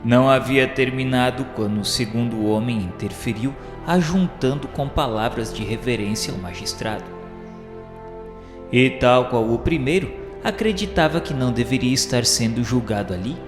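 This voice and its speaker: A man with a Brazilian accent giving a solemn, formal, measured dramatic narration, like a scripted radio novela. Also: mid-range voice. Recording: echoey, long reverb, music behind. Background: music.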